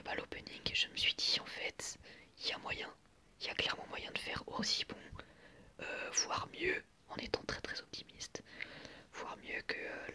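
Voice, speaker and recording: A young man whispering in a breathy, unvoiced voice as he gives ASMR commentary in a reflective, hesitant, rambling way. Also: bright, forceful tone. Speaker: ASMR video creator.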